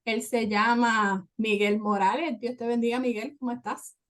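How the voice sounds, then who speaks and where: A woman's voice: a little high, steady tone, moderate pace. Christian show host woman, filler-heavy. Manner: chatty, filler-heavy, says "¿verdad?" often.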